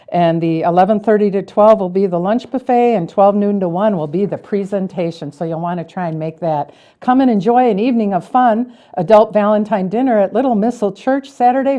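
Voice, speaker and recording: A woman's voice: medium pitch, warm tone. An American woman hosting a local television show, doing interviews and reading community announcements.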